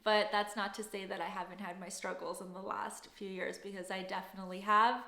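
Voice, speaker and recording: A woman's voice: mid-range voice, little pitch movement, brisk, bright, forceful tone, reverberant. A young woman, hosting a casual Q&A vlog in an upbeat, effusive way. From Canada. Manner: upbeat, effusive, gushing thanks. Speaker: vlogger and job-search coach.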